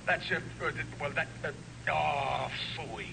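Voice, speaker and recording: Gravelly, exasperated old-time radio cop. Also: male voice, a little high, fairly even intonation, slow, heavily acted. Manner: blustery, slangy, sputtering. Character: gruff, exasperated male police officer on the telephone. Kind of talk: 1940s radio crime drama acting. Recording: noisy old radio recording, telephone scene.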